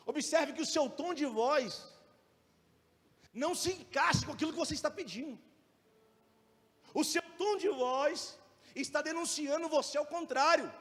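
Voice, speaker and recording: High-voiced Brazilian preacher in a reverberant hall. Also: male voice. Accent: Brazilian Portuguese. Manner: preaching with shifting loudness and pace, rhetorical questions. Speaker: pastor. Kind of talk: sermon.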